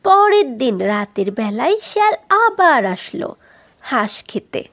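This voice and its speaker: A woman's voice: on the high side, big pitch swings, slow, a bit bright. A woman narrating for children as the storyteller and host of a cartoon channel.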